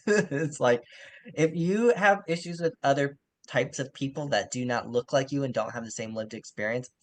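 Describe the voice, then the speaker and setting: A man's voice: medium pitch, moderate pace. A man co-hosting a podcast, discussing books casually in an informal, opinionated way with wry asides. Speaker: podcast co-host.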